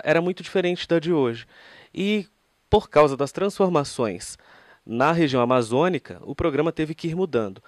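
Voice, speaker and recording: A man's voice: on the high side, no room sound, clean studio sound. A Brazilian man presenting and interviewing in a conversational radio style, rambling a little and asking for agreement.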